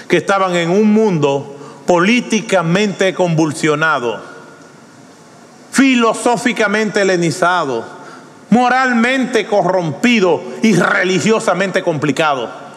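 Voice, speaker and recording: Impassioned high-voiced male preacher. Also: expressive, slow. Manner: impassioned preaching that swells into shouted pleas. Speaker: pastor. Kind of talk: sermon. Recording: long reverb of a large hall.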